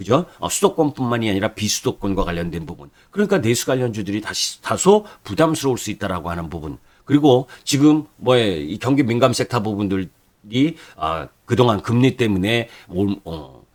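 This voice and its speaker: A man speaks at a moderate pace, with very wide pitch swings and big swings in loudness. The recording is very clean, the background silent. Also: fairly low pitch for a man. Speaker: stock market commentator. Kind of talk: market commentary monologue. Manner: halting.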